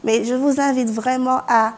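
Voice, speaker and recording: A fairly high-voiced young woman from France shares her faith testimony. She speaks earnestly, restarts her sentences often and breaks into small laughs. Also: fairly even intonation, normal speed. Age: young adult. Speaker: university student giving testimony. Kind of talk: spoken personal testimony.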